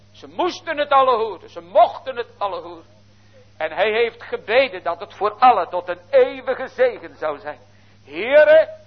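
A man delivers a solemn sermon at a very slow pace, his voice high and husky. He cries out loudly at times and then drops almost to a hush. The recording sounds dull and lo-fi. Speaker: preacher.

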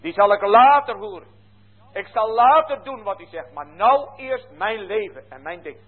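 A man voicing a proud king who begs in a high, strained wail and then shrugs off God stubbornly. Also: animated, moderate pace, husky. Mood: defiant. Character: pleading proud Egyptian king, male, middle-aged. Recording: tinny phone-like lo-fi recording.

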